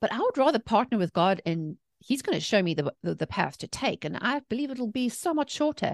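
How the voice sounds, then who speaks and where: A woman speaks at a fairly quick pace with lively intonation and a South African accent, her voice dry and close with no echo over a quiet background. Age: 40s. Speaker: mindset coach and author. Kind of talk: interview conversation.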